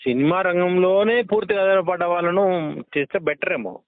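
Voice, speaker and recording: A man's voice: high-pitched, moderate pace. A man arguing his point firmly over a leaked phone call, with many hesitations. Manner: emphatic, argumentative, frequent hesitations. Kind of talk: phone conversation, opinionated.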